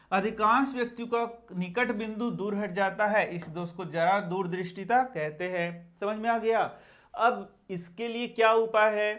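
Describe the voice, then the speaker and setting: A man's voice: sits high, fairly bright tone. A man teaching a science lesson, asking questions and answering them himself. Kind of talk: Hindi classroom lesson.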